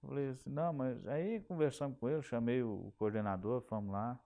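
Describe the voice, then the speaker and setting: In an oral history interview, a middle-aged man from Minas Gerais, a former telephone company technician with a Brazilian Portuguese accent, looks back on his working life, frequently repeating and restarting words. He speaks animatedly and fairly quickly in a warm, mid-range voice with vocal fry.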